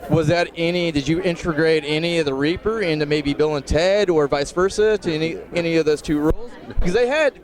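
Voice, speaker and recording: A man's voice: a little high, a little fast, hardly any pauses. A man interviewing as an eager fan, gushing and saying "you know" a lot, outdoors at a busy event. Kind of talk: casual interview chat. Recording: crowd chatter behind.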